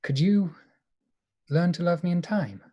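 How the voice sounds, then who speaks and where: An actor playing an earnest, melancholy, lovesick gentleman doctor in a radio play, formal and hesitant. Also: high voice, measured pace, highs cut off. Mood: nervous pleading.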